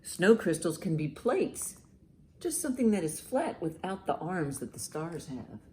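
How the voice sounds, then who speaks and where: Very animated low-voiced woman reading to children. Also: unhurried, a little hiss or hum. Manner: expressive, simple explanatory delivery aimed at young children. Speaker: children's librarian, storytime host. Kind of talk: children's storytime, reading a picture book aloud and commenting.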